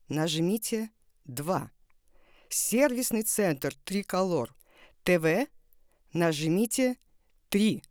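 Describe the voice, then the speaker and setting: A woman's voice: fairly low pitch, darkish tone, no room sound, studio quality, exaggerated voice. A woman playing a courteous customer service announcer, reading automated phone menu options in a polite, formal manner.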